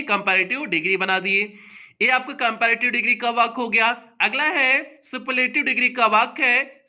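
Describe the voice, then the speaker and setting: Male tutor, very high voice, sharp bright tone, patient step-by-step grammar teaching with drawn-out examples. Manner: coaxing, asks and answers his own questions; drawn-out slow dictation of example sentences. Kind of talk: classroom grammar lesson.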